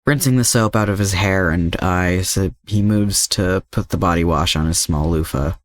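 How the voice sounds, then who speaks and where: Guy reading fanfic out loud, lowish voice, pretty dry close sound. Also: normal speed, no room sound. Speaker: podfic narrator. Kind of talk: amateur audiobook narration of fan fiction.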